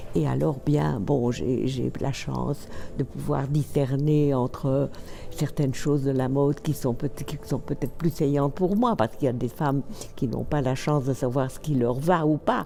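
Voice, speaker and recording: This woman's voice is very deep and low, with ordinary pitch variation at a fairly slow pace. Noticeable background noise runs behind her. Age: 90s. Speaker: interviewee, chocolate club founder. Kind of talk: interview. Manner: hesitant, many fillers.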